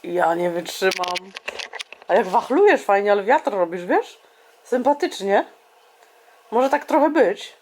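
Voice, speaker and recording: A mother narrates her baby's antics at home, full of exclamations and cooing asides to the child. Her pace is slow and drawn out, and a faint hiss runs under the recording. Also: a little high. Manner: animated, exclaiming, laughing, talking to baby. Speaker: vlogger mother. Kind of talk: casual home vlog. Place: home indoors.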